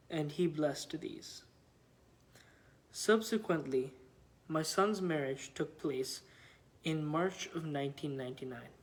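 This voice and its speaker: Guy reading a devotional story out loud, really slow and halting, voice a bit on the high side. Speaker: reader of devotional testimonies. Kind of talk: slow read-aloud of a written devotional account.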